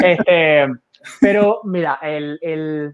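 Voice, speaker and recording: A man talks in a high-pitched voice, its pitch varying in an ordinary way. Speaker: fitness coach. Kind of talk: interview. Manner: energetic.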